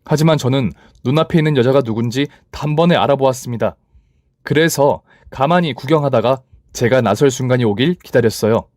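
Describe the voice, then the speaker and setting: A man's voice: medium pitch, fairly quick, darkish tone, no echo, studio quality. A man reading a first-person story narration told in a woman's voice.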